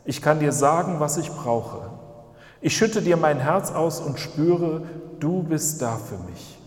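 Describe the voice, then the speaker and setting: A man leading a calm, measured prayer as a pastor in a church service. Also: on the high side. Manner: calm, measured, meditative phrasing. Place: church hall. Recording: roomy hall with long reverb.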